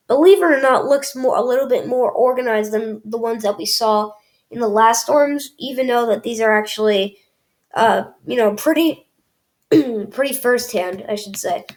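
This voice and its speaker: A woman's voice: on the high side, moderate pace. A young woman with a cold, casually walking viewers through a weather forecast, chatty and full of fillers and restarts. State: has a cold, clears throat. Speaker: weather channel host.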